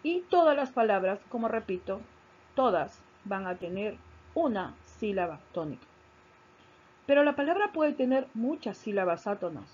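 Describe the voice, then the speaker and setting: A woman teacher giving a recorded grammar lesson, explaining slowly, stressing key syllables and repeating her points. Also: medium pitch, sing-song, a little mellow, slightly rough. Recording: dull lo-fi recording.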